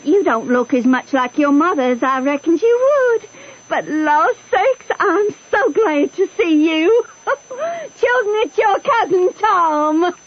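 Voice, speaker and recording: An excitable Southern farm aunt, bossy and affectionate. Her high voice swoops widely and takes its time, on a dull old radio recording. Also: slow, full character voice. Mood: joyful, fussing. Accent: American Southern. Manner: exclamatory, folksy, commanding. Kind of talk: old radio drama acting.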